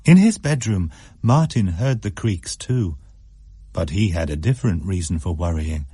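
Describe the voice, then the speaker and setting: A male storyteller reading a suspense tale at a measured, unhurried pace. His voice is low and mellow with a husky grain, and the recording is close and dry with no room sound. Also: lively intonation, no room sound. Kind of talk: scripted story narration.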